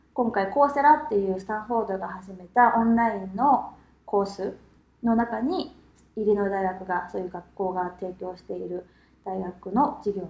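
Speaking at a moderate pace with big swings in loudness, a woman has an ordinary speaking voice. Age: 30s. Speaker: podcast host. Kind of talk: casual chat.

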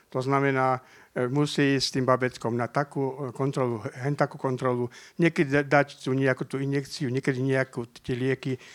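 In a very clean recording with a silent background and a dry, close sound with no echo, a man talks at a moderate pace and medium pitch in a monotone, flat delivery with big swings in loudness. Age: 60s. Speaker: audience member. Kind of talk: audience question.

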